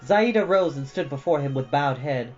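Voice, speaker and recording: Storybook narrator: animated, wide-ranging delivery, mid pitch, slightly dull recording over faint music. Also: normal speed. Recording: slightly dull, band-limited audio.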